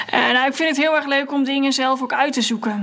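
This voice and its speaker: Noticeable background noise sits behind a voice with fairly even intonation. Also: woman. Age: 20s. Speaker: visually impaired guest. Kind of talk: radio interview.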